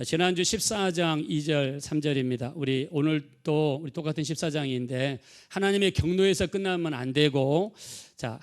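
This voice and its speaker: A man preaching a sermon as pastor, animated, with wordplay and questions thrown to the congregation. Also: fairly high pitch. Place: church sanctuary.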